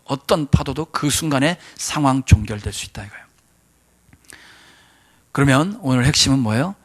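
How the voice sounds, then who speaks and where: A man preaching a sermon in a church, animated and full of questions to the congregation. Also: mid-range voice. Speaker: pastor. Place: church sanctuary.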